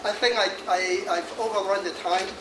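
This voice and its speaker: 60s guy giving a fun feng shui talk, highish voice, roomy hall, noisy far-off recording. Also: fairly even intonation, moderate pace. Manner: jokey, laughs often, chatty asides. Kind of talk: lively lecture to an audience. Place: hall in front of an audience. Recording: echoey hall audio from afar with noise.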